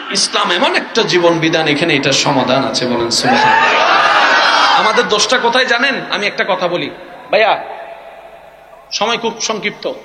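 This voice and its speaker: A man preaching a waz sermon at a large gathering. He shouts to the crowd and calls for responses, then drops to soft, close tones. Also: very high voice. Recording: echoey PA sound with loud crowd noise.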